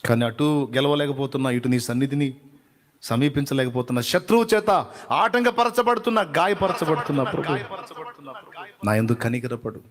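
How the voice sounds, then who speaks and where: A man's voice: on the high side, lively intonation, fairly quick, long reverb tail. A male preacher giving a devotional sermon, fervently pleading in prayer to God. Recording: clear background music under the voice.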